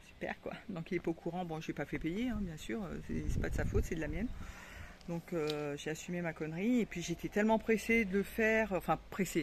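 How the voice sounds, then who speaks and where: Ordinary pitch variation marks this voice, which moves at a fairly quick pace. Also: woman, fairly low pitch for a woman. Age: 50s. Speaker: sewing vlogger. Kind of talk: casual vlog talk. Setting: outdoors. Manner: hesitant, many fillers.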